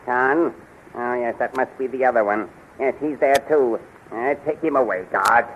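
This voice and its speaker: An actor playing a gloating villainous general and court magician in a 1930s radio serial, halting, muttering and imperious. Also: male voice, medium pitch, natural voice. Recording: dull, noisy 1930s radio recording.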